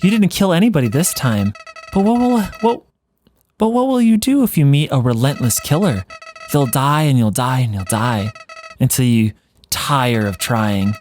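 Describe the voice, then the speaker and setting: A man voicing a smug, sinister flower villain from a video game, taunting in a mocking, theatrical, deliberate way. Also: mid-range voice, expressive, darkish tone, faint music behind, natural voice. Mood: smug, menacing. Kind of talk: voiced read-along of game dialogue.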